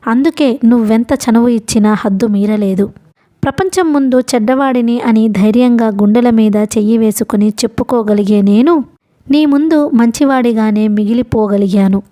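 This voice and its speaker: A woman voicing a guarded young man who reasons gently and earnestly, in an audiobook. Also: very high-pitched, moderate pace. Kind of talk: audiobook character reading.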